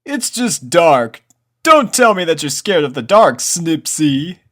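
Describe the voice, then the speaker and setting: A man's voice: on the high side, very animated, slow, fairly bright tone, pitched above the performer's own voice, full character voice. A man voicing a laid-back, teasing young colt pony who drawls, in a storybook reading. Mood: drawling, teasing. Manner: drawling, boyish.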